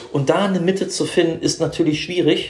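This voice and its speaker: Here a man has an unremarkable speaking voice with fairly even intonation. He talks at a fairly quick pace. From northern Germany, Hannover. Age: 40s. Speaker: spiritual coach, former nightclub owner. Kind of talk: casual chat.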